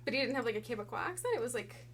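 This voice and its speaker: A woman's voice: on the high side, lively intonation, racing, fairly bright tone, slight background noise. A woman co-hosting a podcast in casual chat, teasing and blunt. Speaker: podcast co-host.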